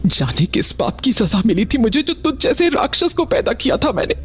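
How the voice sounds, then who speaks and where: A woman's voice: on the high side, big pitch swings, moderate pace, breathy edge, exaggerated voice. An actress playing a bitter mother who harshly orders her son out of the house, in an audio drama. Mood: furious. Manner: harsh, scolding.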